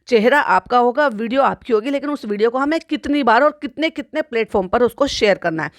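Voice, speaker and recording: A woman's voice: fairly high pitch, expressive, fast, no echo. A woman hosting a casual commentary monologue, chatty and repetitive, with frequent exclamatory asides. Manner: chatty, repeats phrases, frequent "bhai sahab" asides. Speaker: YouTube commentary host.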